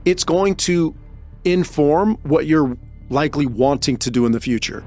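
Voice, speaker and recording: A man's voice: fairly high pitch, moderate pace, darkish tone, soft background music. A man hosting an interview, talking casually and prompting his guest. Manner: conversational, prompting with short backchannels. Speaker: podcast host.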